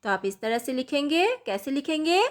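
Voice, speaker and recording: A woman teacher going slowly through a workbook lesson for young children, asking questions and answering them herself. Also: sits high, big pitch swings. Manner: patient, explains step by step, asks and answers her own questions.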